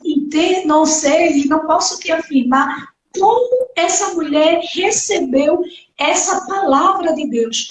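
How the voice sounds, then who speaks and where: High-voiced woman pastor preaching in an echoey hall. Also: slight background noise. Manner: earnest preaching with frequent "né" and acted quotes. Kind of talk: sermon. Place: church hall. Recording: echoey church hall from far off.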